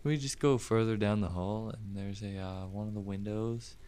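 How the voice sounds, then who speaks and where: A young man improvising as a player in a role-playing game, talking casually in a halting, matter-of-fact way. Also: on the low side, dark tone, slight background noise.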